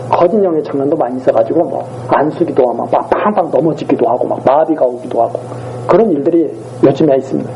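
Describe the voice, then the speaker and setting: A man's voice: fairly high pitch, warm tone, slight background noise. A man pastor giving a sermon, reading scripture verses aloud and then retelling them in blunt, everyday speech. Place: church. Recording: dull lo-fi church recording.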